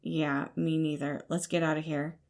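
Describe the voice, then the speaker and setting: A weary, guarded young man in an audio drama , performed by a woman. The voice is on the low side with plenty of fry, and the delivery is dry, blunt and grudging. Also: little pitch movement, normal speed, darkish tone.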